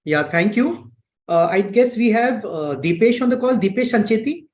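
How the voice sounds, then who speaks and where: High-voiced male call moderator. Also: expressive, normal speed. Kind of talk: informal moderating of a question queue.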